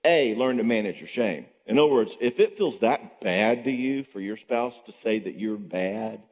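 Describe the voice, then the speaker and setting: An older male psychologist lectures a church audience, his lowish voice carried by the long reverb of a sanctuary. He talks in an animated way, throws out rhetorical questions and slips into higher voices to act out quotes. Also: moderate pace. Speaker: psychologist speaking at a marriage conference. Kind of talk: conference talk to a church audience.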